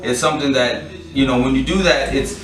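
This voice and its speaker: A man's voice: mid-range voice, steady tone, brisk. Laid-back man, distant in a roomy space. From born in Pakistan, raised in California. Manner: laid-back, often repeats and restarts words. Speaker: rapper, interview guest. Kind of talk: casual interview chat. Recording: roomy sound from a distant mic.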